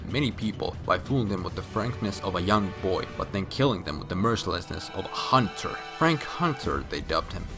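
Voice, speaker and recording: A man giving a drunk, rambling, profane comedic story recap with emphatic outbursts, in the casual way of a video game explainer. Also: on the low side. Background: background music.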